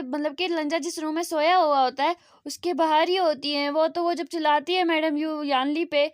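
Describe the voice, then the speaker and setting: A woman's voice: high voice, dry recording, clean studio sound. A woman casually retelling a fan story, narrating in a loose, conversational way with lots of fillers.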